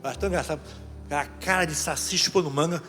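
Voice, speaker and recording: A middle-aged deacon from Brazil preaches a sermon, fond of telling stories and putting questions to his listeners. His voice sits a little high for a man. It rings out through a large hall with a long reverb, and faint music plays underneath. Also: fast talker, fairly bright tone. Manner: storytelling, asks the crowd questions.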